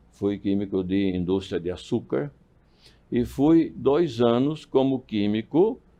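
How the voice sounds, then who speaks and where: Speaking at a very slow pace, a man with a fairly low pitch and a dark, mellow tone makes very wide pitch swings. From Brazil, Ribeirão Preto, São Paulo state. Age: 80s+. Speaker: businessman. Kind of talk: interview. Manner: halting.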